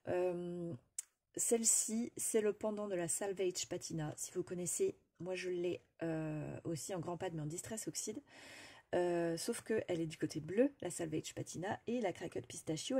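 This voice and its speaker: A woman's voice: lowish voice, dark tone, breathy edge. A woman presenting a craft-supply haul in a chatty, hesitant way, with frequent fillers and restarts. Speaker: craft vlogger.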